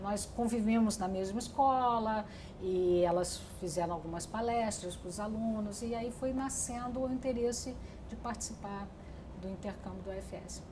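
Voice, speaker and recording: Middle-aged woman, interviewee, reflective storyteller, mid-pitched, faint hiss in the room. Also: normal speed. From Brazil. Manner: reflective, with frequent restarts and fillers. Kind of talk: oral history interview.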